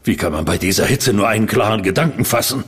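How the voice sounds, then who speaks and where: An actor playing an impatient widowed gentleman at a séance, formal and irritable, breaking into stammers. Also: on the low side, lively intonation, fast, breathy edge. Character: uneasy, impatient widowed gentleman client, growing frightened. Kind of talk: radio play acting.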